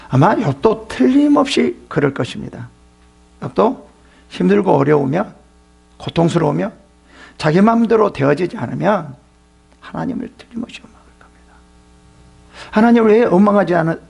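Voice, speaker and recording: Male pastor, sermon, very gravelly, husky, emphatic. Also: on the high side, darkish tone. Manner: emphatic preaching with rhetorical questions.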